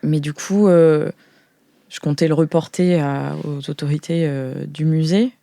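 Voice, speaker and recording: Woman playing a naive, earnest future-born young woman, low-pitched. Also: steady tone, measured pace, creaky, warm tone, no room sound, clean studio sound. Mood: earnest, hesitant. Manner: puzzled, earnest, hesitant explaining.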